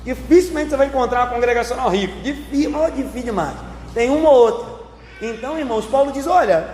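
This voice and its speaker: A man, a pastor, giving an emphatic sermon, slowing down on repeated phrases for emphasis. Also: extremely high pitch, lively intonation, darkish tone. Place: church sanctuary. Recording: echoey church hall, faint background noise.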